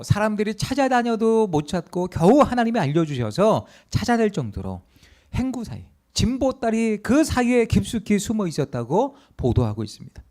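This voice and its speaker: Middle-aged pastor guy preaching in church, high voice, swings up and down a lot. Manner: animated storytelling, acting out quoted voices. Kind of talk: sermon. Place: church sanctuary.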